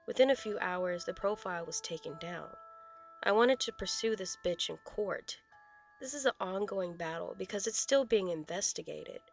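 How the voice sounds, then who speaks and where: A woman narrating a first-person true story in a low-key, matter-of-fact reading. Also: creaky. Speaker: guest narrator.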